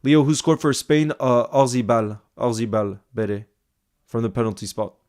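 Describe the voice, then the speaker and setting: A man chats through a live football stream at an ordinary middle pitch, reading comments and answering them as they come. He thinks out loud, circles back to fix his words and keeps an easygoing, conversational flow. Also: normal speed. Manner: chatty, thinks aloud with restarts and filler asides.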